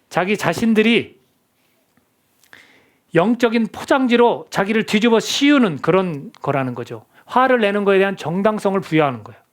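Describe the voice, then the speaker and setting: Earnest high-voiced male pastor preaching. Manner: earnest, conversational preaching with rhetorical questions. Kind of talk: sermon. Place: church sanctuary.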